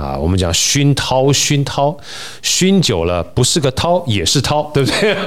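Against noticeable background noise, a man speaks fairly slowly at a fairly high pitch, with very wide pitch swings. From Taiwan, Yilan. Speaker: podcast host. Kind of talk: interview. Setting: studio.

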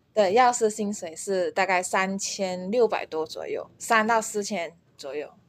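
In an unremarkable speaking voice, the speaker goes at a fairly slow pace with ordinary pitch variation and big swings in loudness. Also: woman, medium pitch for a woman. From Malaysia, Penang. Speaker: pharmacy student. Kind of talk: casual interview chat.

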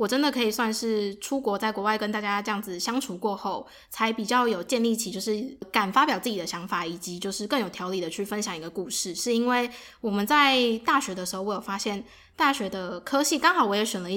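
Her voice is fairly high, with a bright, sharp tone and ordinary pitch variation. The woman speaks at a fairly quick pace. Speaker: podcast co-host. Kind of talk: casual chat.

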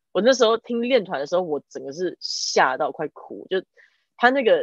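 Against a quiet background, a woman speaks at a fairly quick pace, her voice dry and close with no echo. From Taiwan. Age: 30s. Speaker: jazz and tango singer. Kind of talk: casual chat.

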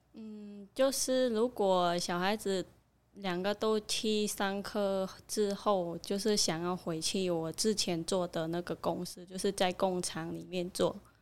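A woman with a Cambodian accent and a medium pitch speaks very slowly with fairly even intonation, on a very clean recording with a silent background. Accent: Khmer-accented Mandarin. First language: Khmer (speaking Chinese). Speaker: immigrant guest. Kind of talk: casual chat. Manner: halting.

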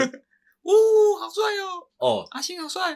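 This put-on character voice has an extremely high pitch and a fairly slow pace. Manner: squealing, gushing.

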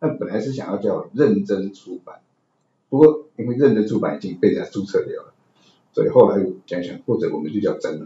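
Big swings in loudness mark this man's speech. He has a Malaysian accent and a fairly quick pace. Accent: noticeable Malaysian Chinese. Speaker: publisher and editor-in-chief. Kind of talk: interview conversation.

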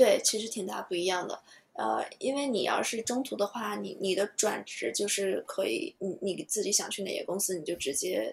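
A woman talks at a moderate pace. She hardly pauses at all. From mainland China. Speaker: game animator. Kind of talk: casual interview.

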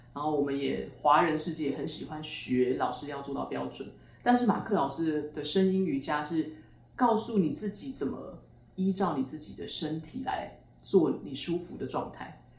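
With noticeable noise in the background, the speech moves fairly quickly. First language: Mandarin. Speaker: podcast host. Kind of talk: interview.

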